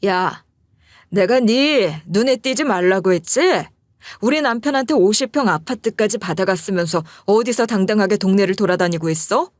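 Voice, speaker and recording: A woman voicing a furious middle-aged wife who yells accusations at her husband's mistress. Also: medium pitch, lively intonation, normal speed, no room sound, studio quality, close to an everyday voice. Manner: yelling accusations.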